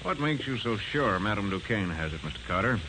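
Stern, earnest male ship's captain, expressive mid-pitched voice, vintage radio acting, hissy recording. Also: fairly quick. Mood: matter-of-fact.

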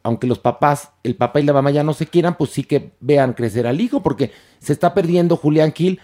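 A man's voice: fairly high pitch, brisk. Teasing Mexican man hosting a podcast. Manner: teasing, animated storytelling. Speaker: podcast host. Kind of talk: casual chat.

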